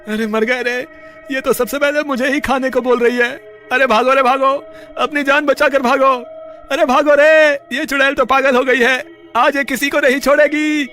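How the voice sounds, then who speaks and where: Very high-pitched wailing scaredy-cat guy man voicing, cartoon, music behind. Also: steady tone, moderate pace, bright, forceful tone. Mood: panicked. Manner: wailing, panicky, comic. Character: cowardly whining man Bablu.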